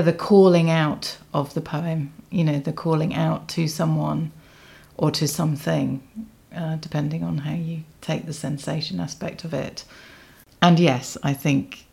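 A woman with a notably low voice leads a literary conversation. She is reflective and tentative, often searching for the phrasing of her question or thought as she goes. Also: gravelly, a little mellow. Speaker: interviewer.

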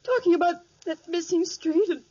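A woman's voice: very high voice, normal speed, mellow, no room sound. An actress playing a shaken, frightened young office girl, breathless and distressed, in 1940s radio melodrama style. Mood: distraught. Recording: dull 1940s radio recording.

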